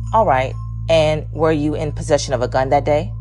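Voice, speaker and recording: Music sits behind a man's voice. He speaks very rapidly. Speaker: voice narrator. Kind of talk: reading of court testimony transcript.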